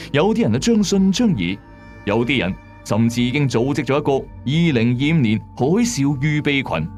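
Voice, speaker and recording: A man with a Hong Kong Cantonese accent hosting a late-night strange-tales show, narrating scripted mysteries in a measured, dramatic storyteller's way. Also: medium pitch, a little mellow. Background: background music.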